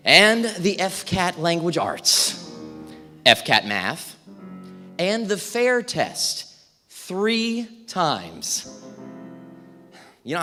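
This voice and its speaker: Man playing harried male schoolteacher, stage monologue, slightly high voice, very animated pitch, apologetic and emphatic, reverberant hall. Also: heavily acted. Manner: emphatic, halting, with repeated stresses and asides. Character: harried, well-meaning male fourth-grade teacher, overworked and apologetic. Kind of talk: theatrical monologue, dramatic stage reading. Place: reverberant indoor hall at a live reading. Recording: echoey hall, music behind.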